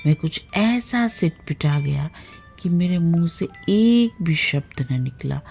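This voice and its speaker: A woman narrating a literary short story aloud in measured, deliberate phrasing, in the manner of an audiobook. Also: fairly low pitch, animated, vocal fry, a little mellow, faint music behind.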